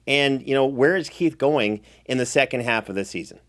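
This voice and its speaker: A man's voice: mid-range voice, normal speed. A man hosting a casual recap show, talking in a playful, mock-indignant way. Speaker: podcast host and show producer.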